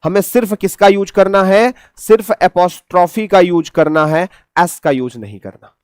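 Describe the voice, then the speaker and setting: A man's voice: high-pitched, normal speed, darkish tone, clean tone, dry recording. A man with an Indian accent teaching an exam-prep English lesson, explaining by asking the class questions and answering them himself.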